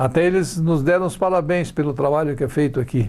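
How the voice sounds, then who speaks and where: His voice is fairly high for a man, with a dark, mellow tone. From northern Paraná, Brazil. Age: 70s. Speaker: musician. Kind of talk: testimony interview. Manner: halting with repetitions.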